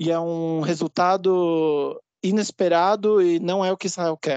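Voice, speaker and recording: A man speaks at a fairly slow pace in a high pitch. His pitch varies in an ordinary way. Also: dry, close sound with no echo. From Brazil, São Paulo. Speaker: government legal adviser. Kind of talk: interview.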